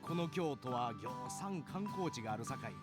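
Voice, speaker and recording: A man acting a wise older gentleman in a visual novel, with a Kyoto accent. His gentle, philosophical speech has plenty of rise and fall and moves along briskly. Clear music plays underneath. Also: mid-range voice, expressive, close to an everyday voice. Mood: kindly, reflective. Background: game background music.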